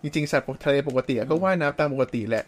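A man co-hosting a casual podcast, explaining ideas through analogies and pausing to search for the right word. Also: fairly high pitch, expressive. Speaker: podcast co-host. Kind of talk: casual chat.

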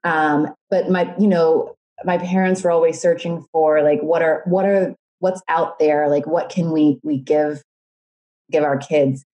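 Young woman guest, low and mellow, chatty storyteller who laughs often. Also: fairly even intonation, unhurried. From Jamaica and Florida. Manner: rambling storytelling with frequent laughs. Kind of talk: casual interview.

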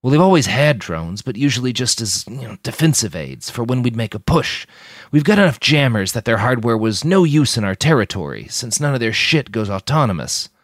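A man's voice: mid-range voice, very animated, brisk, dry recording, clean studio sound, voice pushed up. A man voicing a badly wounded army major who talks in a slurred, pained, wry way.

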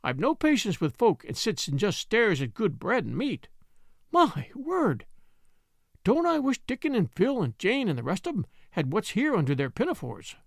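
A man's voice: high voice, wildly swooping pitch, moderate pace, creaky, no room sound, studio quality, voice pushed up, full character voice. A man voicing a chatty housemaid girl. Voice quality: outspoken, homely and talkative. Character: chatty good-tempered young Yorkshire housemaid. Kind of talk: audiobook character voice.

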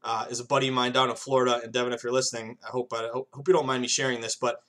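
A man's voice: medium pitch, level tone, rapid-fire, a bit bright. Rambling male sports betting podcaster. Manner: rambling, filler-heavy, addresses listeners as guys. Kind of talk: casual solo podcast monologue.

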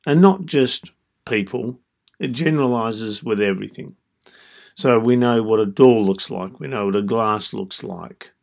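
A man in his fifties with an Australian accent, hosting a reflective solo podcast in a measured, deliberate way, breaking his thoughts into short phrases. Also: lowish voice, gravelly, darkish tone. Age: 50s. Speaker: podcast host.

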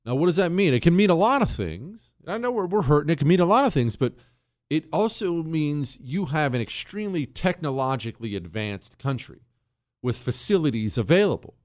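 A man's voice: a little high, sing-song, fairly quick, darkish tone. A man hosting a talk radio show, ranting in mock outrage and teasing his co-host. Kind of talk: opinionated talk radio monologue.

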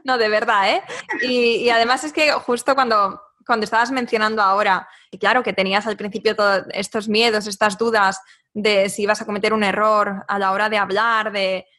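A woman's voice: mid-range voice, steady tone, fairly quick, sharp tone. A woman hosting a podcast interview, effusive and full of compliments for her guest. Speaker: host.

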